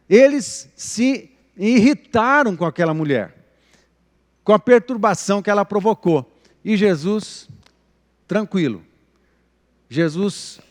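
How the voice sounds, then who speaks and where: A Brazilian pastor preaches a live sermon in a high, light voice. He talks expressively, rising for emphasis and sinking almost to a whisper. The church gives his words a long, trailing reverb.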